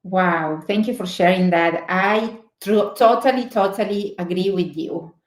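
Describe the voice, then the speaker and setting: A woman's voice: mid-range voice, a little slow, echoey room. A woman hosting an interview, enthusiastic and gushing as she introduces and responds to her guest. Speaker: host.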